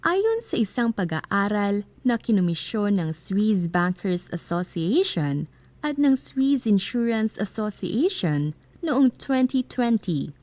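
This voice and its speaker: A woman's voice: medium pitch, very animated, slow, a little mellow, dry recording. A woman with a Filipino accent reading scripted explainer narration as a voice-over, in a conversational way that poses questions to the listener.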